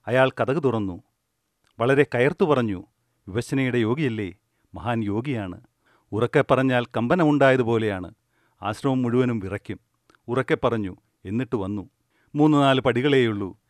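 Calm man giving a dry, close spiritual talk. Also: medium pitch, no room sound. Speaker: meditation teacher. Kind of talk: spiritual discourse.

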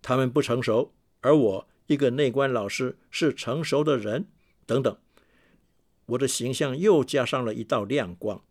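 Man giving a measured meditation sermon. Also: mid-range voice. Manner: measured, repeats key phrases for emphasis. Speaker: meditation teacher. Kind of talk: translated sermon, read as voice-over.

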